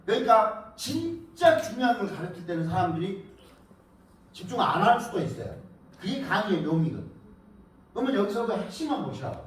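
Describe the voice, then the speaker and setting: A man giving a lively, teasing lecture to a live audience, at times chanting words in rhythm. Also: high-pitched, fairly quick, slight background noise. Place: lecture hall. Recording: echoey hall, mic at a distance.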